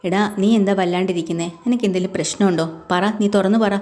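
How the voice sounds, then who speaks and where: A woman's voice: medium pitch, fairly even intonation, fast, darkish tone, natural voice. A woman voicing an anxious middle-aged mother who keeps questioning her son. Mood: worried. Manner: prying, worried questions.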